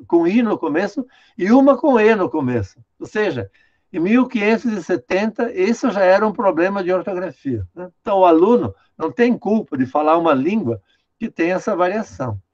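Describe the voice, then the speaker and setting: Over muffled, low-quality video call audio, an older man from Brazil, a linguistics professor, patiently walks through a student's writing in an online lecture. His voice is high and a little mellow; he peppers his explanations with "né?" and gives the screen operator directions.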